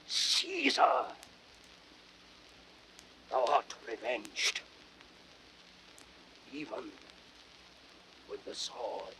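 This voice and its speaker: An actor playing a defeated, anguished Roman general in declamatory old radio Shakespeare style, on a hissy vintage recording. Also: male voice, medium pitch, fairly bright tone, slightly rough, exaggerated voice, rough recording. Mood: dying. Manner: declamatory, grandly theatrical. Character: anguished defeated Roman general facing his own death. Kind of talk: 1930s radio Shakespeare acting.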